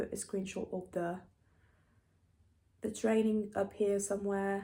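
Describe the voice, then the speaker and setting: With a dark, mellow tone and medium pitch, a woman speaks in a monotone, flat intonation broken by long, frequent pauses. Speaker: fitness vlogger. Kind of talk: casual vlog talk. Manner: halting, self-correcting.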